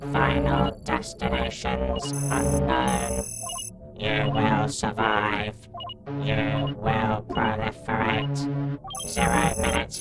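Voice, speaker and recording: A man's voice: on the low side, creaky, full character voice. A man voicing a cold, emotionless machine intelligence in a science fiction audiobook, with clipped mechanical phrases and robotic processing. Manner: clipped, monotone, mechanical delivery of short reports. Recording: loud music behind.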